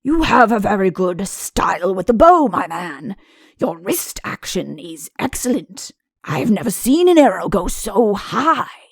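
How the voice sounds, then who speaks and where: A woman's voice: mid-range voice, sing-song, a little slow, gravelly, husky, dry recording, studio quality, heavily acted. Pompous, fussy storybook king played by a woman. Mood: confidential, genial. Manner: pompous, hesitant, mock-innocent. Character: pompous, fussy fairy-tale king and doting father. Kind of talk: audiobook comic character acting.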